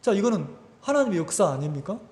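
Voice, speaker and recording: A man pastor, giving a conversational, animated sermon full of rhetorical questions in a church. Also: sits high, fast. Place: church sanctuary. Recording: echoey church hall.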